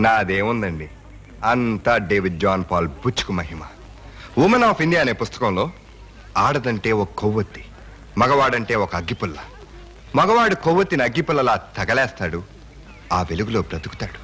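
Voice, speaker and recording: A man's voice: on the low side, sing-song, moderate pace, long pauses, a bit bright. An actor playing a polite, earnest young man who speaks respectfully in a film scene. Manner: polite, earnest speeches, addresses others as sir. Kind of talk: film dialogue.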